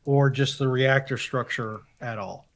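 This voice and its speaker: A man in a casual panel discussion, explaining things in a halting, measured way. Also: mid-range voice, a little hiss or hum.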